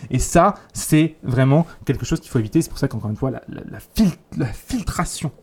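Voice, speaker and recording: A man's voice: mid-range voice, expressive, brisk, darkish tone, breathy edge. A man giving a blunt, casual motivational talk as a 3D teacher, full of crude slang and restarts. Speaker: YouTube 3D teacher.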